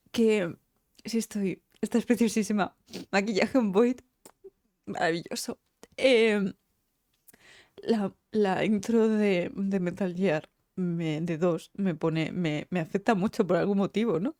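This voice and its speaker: A woman's voice: medium pitch, a little mellow, dry recording, studio quality. A woman with a Spain Spanish accent chatting casually on a live stream, teary after crying, emotional and rambling and swearing freely. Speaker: game streamer.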